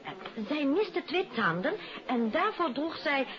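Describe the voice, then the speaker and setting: A woman's voice: sits high, big pitch swings, a little slow, crowd noise. A woman acting an anxious, hesitant madame who searches for words in a 1950s radio mystery serial. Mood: hesitant, recalling. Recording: muffled old radio recording, background noise.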